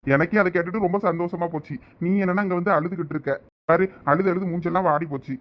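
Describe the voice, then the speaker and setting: A man's voice: sits high, steady tone, fast talker, highs cut off, close to an everyday voice. A man acting as a caring young husband in a village comedy-drama, coaxing and teasing his wife affectionately. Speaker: actor in a village family skit.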